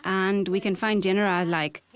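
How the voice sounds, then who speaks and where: A woman's voice: medium pitch, steady tone, normal speed. A woman giving an explanatory voice-over translation for a documentary interview.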